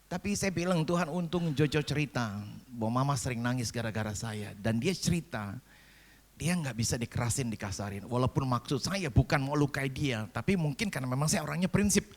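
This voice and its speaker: A man's voice: medium pitch, animated, fairly quick. A man of sixty, a pastor preaching a sermon and telling a family story with acted-out dialogue and rising emphasis. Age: 60s.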